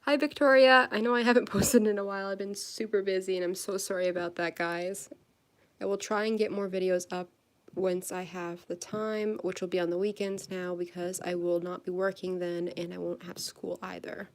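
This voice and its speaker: A nineteen-year-old woman vlogs indoors at her desk while crafting, speaking at normal speed in a low, level voice. She's chatty and giggly, rambling casually with lots of fillers and little laughs.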